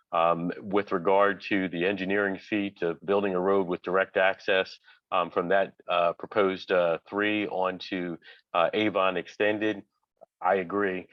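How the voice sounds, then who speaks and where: Low-voiced guy on a video call, dull dry lo-fi sound, lots of uh and um pauses. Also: dry recording. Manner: measured, with frequent uh and um pauses. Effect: heard over a video call. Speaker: resident giving public comment. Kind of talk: public comment at a community meeting.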